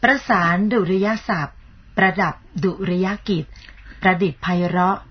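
A woman's voice: mid-range voice, normal speed, slightly rough, highs cut off. A woman co-hosting a radio talk show who is polite and chatty with her co-host, and takes turns reading out a list of titles.

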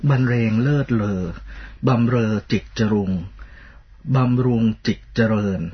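A man co-hosting a radio talk show in a polite, measured, formal way, often reading out a list of titles. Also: mid-range voice, steady tone, slightly rough, highs cut off. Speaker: radio co-host.

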